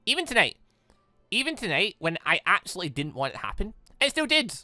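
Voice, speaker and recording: A man voicing an insecure, self-blaming teenage girl from a visual novel, halting and stammering. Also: high-pitched, wildly swooping pitch, bright, forceful tone, no room sound, soft background music, exaggerated voice. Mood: distressed.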